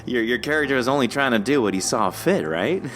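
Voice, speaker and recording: A man's voice: medium pitch, lively intonation, brisk, fairly bright tone, faint music behind. A man hosting a podcast, chatting casually as he interviews a guest. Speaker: podcast host.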